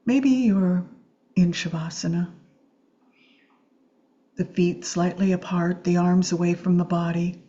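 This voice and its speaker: A woman with a dark, very mellow voice leads a guided meditation. She speaks gently and soothingly, leaving long, unhurried pauses between short phrases. The recording is slightly dull and muffled. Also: lowish voice, fairly even intonation. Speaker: meditation teacher. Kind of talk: guided Yoga Nidra meditation.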